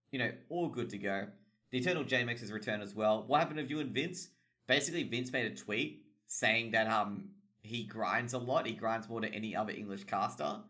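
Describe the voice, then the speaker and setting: A man's voice: lowish voice, bright, forceful tone. Rambling, foul-mouthed Australian man. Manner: rambling, swears a lot, heavy filler words. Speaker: esports caster and streamer host. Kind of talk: casual profane esports news chat.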